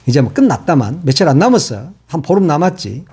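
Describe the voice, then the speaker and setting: A man's voice: fairly high pitch, big pitch swings, fast, mellow, breathy edge. An older man, a former broadcast reporter, giving angry political commentary on his channel, cursing and firing rhetorical questions.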